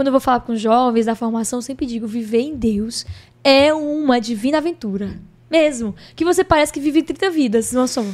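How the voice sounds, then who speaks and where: Captured in a very clean recording with a silent background, a woman talks at a fairly quick pace in a high pitch with ordinary pitch variation. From Brazil, Fortaleza, Ceará. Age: 20s. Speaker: consecrated virgin. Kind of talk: interview.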